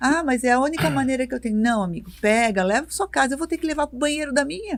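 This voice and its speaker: Very fast and animated, a woman with a high pitch talks using lively intonation. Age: 60s. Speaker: animal rescuer. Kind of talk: podcast interview.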